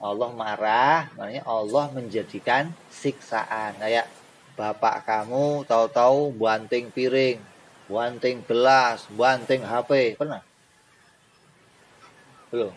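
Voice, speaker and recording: A man teaches Islamic theology in a lively way. He fires rhetorical questions at his students and drops in joking asides. His voice sits at a middle pitch, with a faint ambience underneath. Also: slow pace, slight background noise, poor audio. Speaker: religious teacher.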